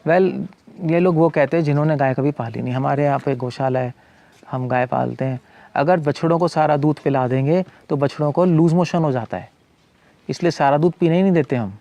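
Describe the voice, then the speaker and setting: Hindi-speaking man, conversational and slightly high. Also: brisk, mellow, no echo. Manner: conversational, repeats words and restarts, mixes English terms into Hindi. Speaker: monk and former medical doctor giving a talk. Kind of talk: casual explanatory talk. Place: cow shelter owner speaking from his farm community.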